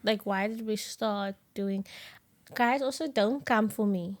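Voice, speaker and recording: A young South African woman co-hosting a podcast in casual chat, animated, laughing often and sometimes dropping to a whisper. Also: mid-range voice, measured pace. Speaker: podcast co-host.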